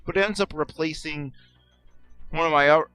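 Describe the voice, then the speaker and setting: A man talking over his own gameplay in a somewhat high voice, rambling and self-deprecating. He restarts sentences often and drops in sarcastic asides. Faint music plays underneath. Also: normal speed, bright, forceful tone, clear, resonant tone. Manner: sarcastic jokes. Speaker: let's play commentator. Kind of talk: casual gameplay commentary.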